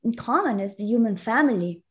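A woman's voice: fairly high pitch, lively intonation, fairly quick. A woman from Italy whose first language is German, a guest in an interview, talking earnestly and explaining things with frequent restarts. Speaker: guest educator. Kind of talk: conversational interview.

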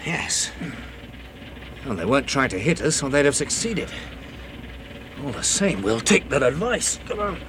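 An actor playing a practical, steady survivor and husband in a 1960s British radio drama, speaking calmly and matter-of-factly with a British accent. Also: male voice, medium pitch, unhurried, long pauses, noisy background. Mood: alert, matter-of-fact. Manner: calm, reassuring, matter-of-fact. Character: practical, steady male survivor and husband in post-apocalyptic Britain. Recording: 1960s radio drama recording, music behind.

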